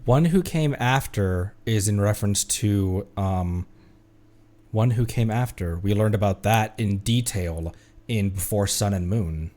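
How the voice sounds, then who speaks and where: A man's voice: on the low side, a little slow, darkish tone. A man streaming a game with casual, musing commentary, often repeating phrases as he works through his thoughts.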